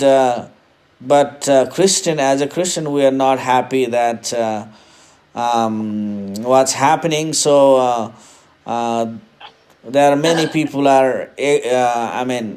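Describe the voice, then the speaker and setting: Slow, halting man, native Nepali speaker. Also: medium pitch, darkish tone. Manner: halting, hesitant speech. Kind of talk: casual phone conversation.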